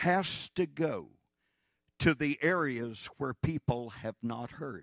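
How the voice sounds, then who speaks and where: On a very clean recording with a silent background and a dry, close sound with no echo, a man speaks at a fairly high pitch. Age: 60s. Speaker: missionary preacher. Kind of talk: sermon. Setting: church with congregation. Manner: animated.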